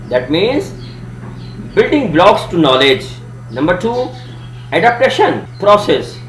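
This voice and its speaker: A man with a South Asian accent and Urdu as his native language gives an educational presentation in an emphatic, didactic manner. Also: fairly high pitch. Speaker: student presenter giving a lesson. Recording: echoey room, faint hum and hiss.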